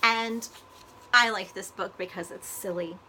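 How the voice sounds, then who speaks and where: A woman librarian reading a children's storybook aloud, with expressive, deliberate phrasing for young listeners. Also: medium pitch, a little hiss or hum, rough recording.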